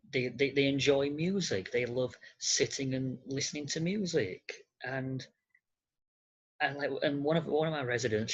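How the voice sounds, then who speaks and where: A podcast guest chatting casually with a husky voice, haltingly and often repeating words. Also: mid-range voice. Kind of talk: casual interview chat. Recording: dull, muffled lo-fi sound.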